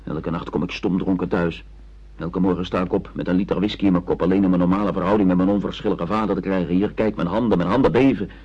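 Radio drama: agitated, sarcastic drinker son, lowish husky voice, muffled recording. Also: male voice, steady tone, fast. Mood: bitter, agitated. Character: bitter hard-drinking son of an indifferent father. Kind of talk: radio play acting in Dutch.

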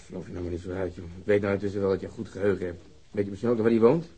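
Dry sarcastic cop, husky dark voice. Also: male voice, low-pitched, steady tone, very fast. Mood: teasing. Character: dry, sardonic male police detective. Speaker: police detective. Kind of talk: 1970s radio drama acting.

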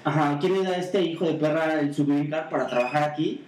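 A man's voice: a little high, fairly even intonation, a little fast, darkish tone, far from the mic. Chatty man, off-mic and roomy. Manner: chatty, agreeing, building on others' points. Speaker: podcast co-host. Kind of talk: casual chat. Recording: roomy echo, off-mic, faint hiss.

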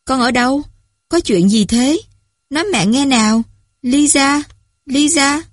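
A woman voicing a mother woken at night who speaks softly and soothingly to her daughter on the phone. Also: mid-range voice, a little slow, husky, dry recording, studio quality. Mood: frantic. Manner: soft and soothing. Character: worried mother woken at night, gentle then frantic.

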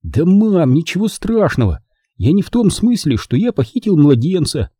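A man's voice: fairly high pitch, very animated, moderate pace, dark tone, slightly rough, dry recording, studio quality, pitched above the performer's own voice. Earnest boy hero, hesitant but serious, raised voice, a man doing him. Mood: explaining.

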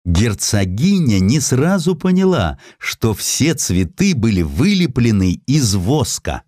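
A man narrates a historical sketch for a radio production, telling it slowly in a medium-pitched voice with expressive, varied storytelling. The close studio mic leaves no room sound.

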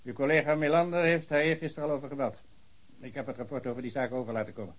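An actor playing a formal, pedantic police official who reads out a report in stiff officialese. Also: male voice, medium pitch, fairly even intonation, rapid-fire, lightly acted. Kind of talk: radio drama acting.

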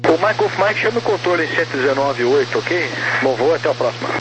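A man's voice: fairly high pitch, lively intonation, fast talker. A Brazilian man working as a tower controller, giving procedural instructions over a crackly radio. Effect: crackly aviation radio transmission. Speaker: airport tower air traffic controller. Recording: very noisy crackly aviation radio.

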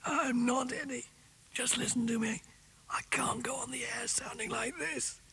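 A man's voice: very high-pitched, lively intonation, a little slow, vocal fry, a bit bright, slightly rough, voice pushed up, full character voice. A man voicing a male radio DJ who has lost his voice and can only whisper, coaxing and urgent. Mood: pleading whisper. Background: music.

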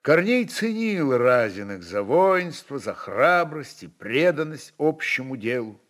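A man's voice: medium pitch, very animated, unhurried, fairly bright tone. A man narrating a literary story for radio in a dramatic reading style.

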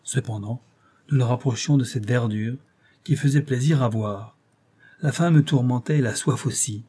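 A man's voice: mid-range voice, moderate pace, dark tone, breathy edge. A man narrating a classic adventure novel as an audiobook, reading expressively and lifting his voice for quoted dialogue.

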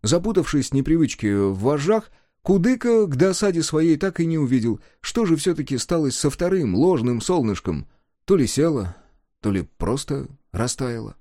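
Expressive man reading a folk tale. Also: medium pitch, no echo, studio quality. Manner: expressive, folksy storytelling. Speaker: audiobook narrator. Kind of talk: scripted storybook narration.

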